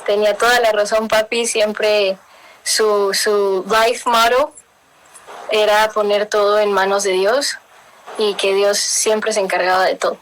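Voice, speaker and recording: A woman's voice: medium pitch, level tone, a little slow, a little hiss or hum, low-quality recording. A young woman with a Mexican-tinged Spanish accent, telling family stories in a casual interview and slipping in English words. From Miami. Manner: warm storytelling, mixing in English words, laughs often. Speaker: interview guest.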